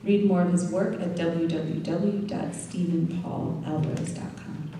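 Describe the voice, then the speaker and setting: A woman introduces the evening's poet, speaking in a low, level voice with a dark, mellow tone. She is heard from far off in a large, echoing room with a faint hiss of noise. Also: steady tone, unhurried. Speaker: event host introducing the poet. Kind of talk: read introduction. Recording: roomy hall from a distance, faint noise.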